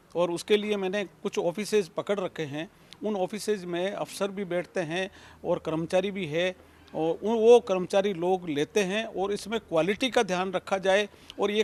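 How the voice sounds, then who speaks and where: A man talks at a high pitch. His intonation is fairly even. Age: 70s. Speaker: organic farmer. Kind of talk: interview testimony. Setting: agricultural science centre. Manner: halting, with fillers.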